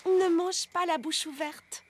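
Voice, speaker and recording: Very high-pitched, fussy cartoon girl. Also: steady tone, measured pace. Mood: scolding. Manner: prim, scolding, formal. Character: fussy, bossy young girl obsessed with politeness. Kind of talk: French cartoon dubbing. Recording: loud music behind the voice.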